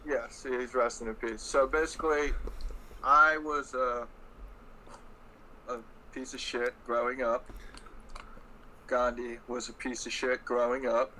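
A man's voice: mid-range voice, level tone, unhurried, long pauses, bright, forceful tone. A man talking casually as a podcast guest, informal and blunt. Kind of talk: casual chat. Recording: noisy recording.

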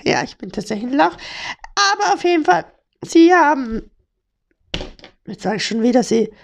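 Podcast host: young woman, playful and jokey, high voice with heavy vocal fry. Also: big pitch swings, moderate pace. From Hamburg. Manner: playful, joking, slang-heavy. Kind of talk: casual chat.

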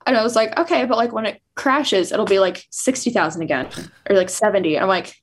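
A woman's voice: medium pitch, brisk, slight background noise. A woman in her early twenties, a photographer guest, talking casually with lots of filler words. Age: 20s. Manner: chatty, many "like" fillers. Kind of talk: casual chat.

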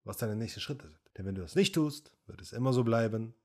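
A blunt men's coach talks straight at the listener in a confrontational lecture. His mid-pitched voice is husky and a little breathy. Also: lively intonation, fairly quick, mellow. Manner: mocks the listener in a whiny voice. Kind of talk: confrontational motivational monologue.

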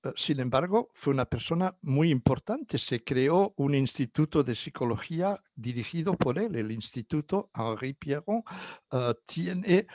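A man's voice: medium pitch, darkish tone, no room sound. An older man whose first language is Catalan, answering interview questions in a hesitant way with many fillers and restarts. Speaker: guest psychologist.

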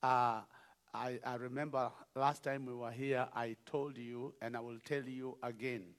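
A man with a Kenyan accent, a bishop speaking to a church, jovial and teaching slowly with laughs. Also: mid-range voice, flat delivery, clean tone. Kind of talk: sermon with song.

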